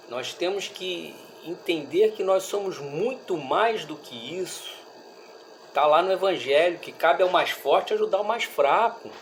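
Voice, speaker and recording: A man with a Brazilian accent giving a religious study talk in a reflective, halting way, often checking in with listeners. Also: high voice, slight background noise, poor audio. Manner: reflective, halting, with frequent rhetorical check-ins. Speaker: speaker at a Spiritist study group.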